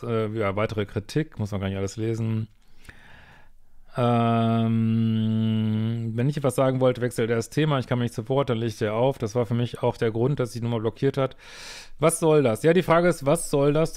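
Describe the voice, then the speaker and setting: A psychologist commenting on a viewer's letter in casual, blunt talk, exasperated and swearing freely, with halting restarts and frequent tag questions. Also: male voice, medium pitch, darkish tone.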